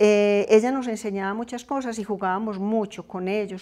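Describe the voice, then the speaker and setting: Her delivery runs at an average speed. The woman's pitch stays mostly level. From Colombia, Antioquia (La Unión). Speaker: teacher. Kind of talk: interview. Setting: TV studio. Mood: warm, nostalgic. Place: home room.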